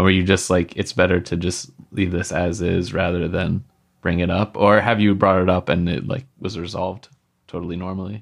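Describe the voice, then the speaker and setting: A man with a very deep, low pitch speaks at a fairly quick pace in monotone, flat intonation. The background is quiet. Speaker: podcast host. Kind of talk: casual interview.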